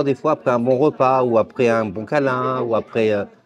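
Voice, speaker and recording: The man's delivery is moderately paced and his pitch is medium. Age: 60s. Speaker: former smoker. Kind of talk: interview. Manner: halting.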